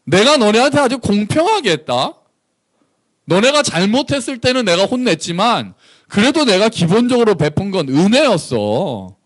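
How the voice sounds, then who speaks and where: A man's voice: sits high, sing-song, moderate pace, dry recording, clean studio sound, pitched above the performer's own voice. A pastor voicing God as an exasperated figure who scolds his people bluntly and casually. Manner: indignant, blunt casual speech.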